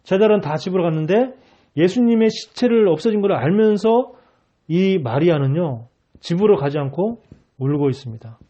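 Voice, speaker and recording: Emphatic man preaching, lively pitch. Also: moderate pace, lo-fi sound. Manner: emphatic preaching with rhetorical questions. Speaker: pastor. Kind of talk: sermon.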